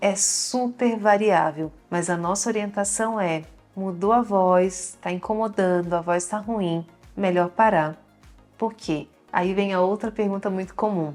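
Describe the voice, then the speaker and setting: A woman at a fairly slow pace, medium in pitch, with fairly even intonation over music in the background. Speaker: ear, nose and throat doctor. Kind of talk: medical explainer talk to camera.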